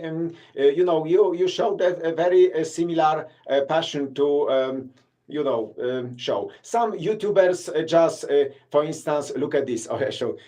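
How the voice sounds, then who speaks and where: A Polish tour guide talking casually to his live-stream viewers in accented, halting English full of fillers and restarts. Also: a little high, warm tone. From Poland. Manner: halting, many fillers and restarts, non-native grammar. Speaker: city tour guide and vlogger.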